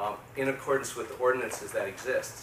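A man is speaking. Noticeable background noise runs behind him. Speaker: neighborhood group member presenting site plans. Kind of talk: community meeting presentation. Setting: public meeting room with audience. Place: meeting room. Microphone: camera far.

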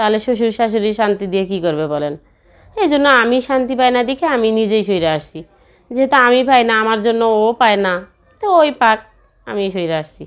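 With lively intonation, a woman talks in an unremarkable speaking voice. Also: fairly high pitch for a woman. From Bangladesh, Gaibandha district. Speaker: divorced single mother seeking help. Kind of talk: personal life story interview.

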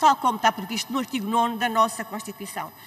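A woman's high voice in a European Portuguese accent. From Portugal. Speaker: member of parliament. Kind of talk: parliamentary speech. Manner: formal. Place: hall. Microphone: podium.

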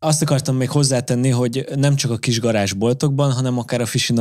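Talking at a very fast pace, a man is heard against a quiet background. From Hungary. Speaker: podcast host. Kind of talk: casual chat. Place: studio. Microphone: studio mic.

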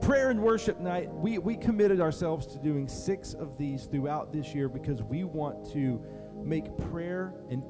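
A man talks at a moderate pace. Behind him, music plays clearly. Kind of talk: announcements then prayer. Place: church. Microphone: handheld.

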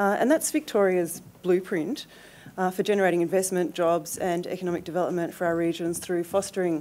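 A woman speaks at a fairly low pitch and a fairly quick pace. Her intonation is monotone and flat. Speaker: presenter. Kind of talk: briefing presentation. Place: hall. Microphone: podium.

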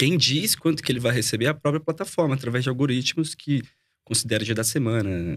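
Somewhat breathy and fairly quick, a man talks at a medium pitch with lively intonation over a quiet background. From Brazil, Fortaleza (Ceará); Ceará, Brazil. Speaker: tech entrepreneur, CTO; podcast guest. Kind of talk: podcast interview. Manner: casual, filler-heavy. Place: studio. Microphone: studio mic.

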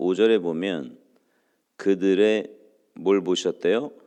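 This man speaks with a fairly low pitch. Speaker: pastor. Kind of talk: sermon.

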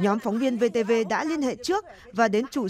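Speech comes at a moderate pace. There is noticeable background noise. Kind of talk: scripted narration.

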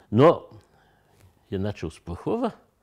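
With a quiet background behind him, a man speaks with lively intonation in a dark, mellow tone. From France, Grenoble area; France. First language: French (speaking Russian). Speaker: retired army general. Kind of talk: interview. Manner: halting. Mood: cheerful, animated. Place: home room.

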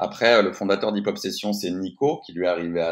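A man with a plain, everyday voice, fairly low in pitch, at a moderate pace with fairly even intonation. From Lyon region, France. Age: 30s. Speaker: hip-hop festival organizer. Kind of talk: casual interview.

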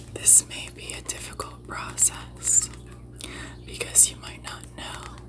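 Soft-spoken and whispering, the voice moves at a very slow pace over loud background noise. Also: woman. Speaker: Reiki master and ASMR creator. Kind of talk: guided meditation / reiki session. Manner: soft, whispered, slow. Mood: warm, gentle, smiling. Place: home room.

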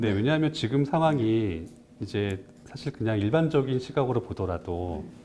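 With light background noise behind him, a man with a fairly low pitch and a dark, mellow tone speaks at a moderate pace using lively intonation. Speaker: real estate researcher. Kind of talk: expert interview on housing market. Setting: live stream. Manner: formal, explanatory. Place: studio. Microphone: studio mic.

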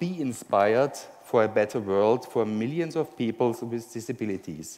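A man speaks with lively intonation. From Austria. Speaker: foundation founder. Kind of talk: opening speech. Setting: stage with audience. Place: hall. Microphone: podium.

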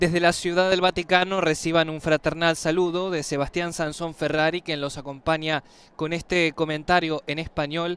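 A high-pitched man with monotone, flat intonation. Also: dry sound with no echo. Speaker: radio commentator. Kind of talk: broadcast commentary. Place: studio.

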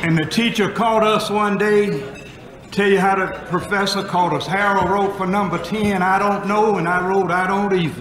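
With noticeable background noise around him, a man speaks at a moderate pace in a high pitch, his loudness very even. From US South. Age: 80s. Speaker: former coach and guest speaker. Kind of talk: humorous welcome speech. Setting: stage with audience. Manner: jokey, animated. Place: hall. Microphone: podium.

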